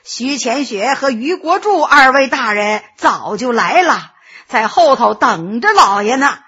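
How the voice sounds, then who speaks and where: A man's voice: extremely high pitch, big pitch swings, unhurried, pushed and bright, slightly rough, dull audio, full character voice. A woman voicing a fawning, cautious old servant who keeps the gate, in a spoken story. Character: obsequious old male gatekeeper servant.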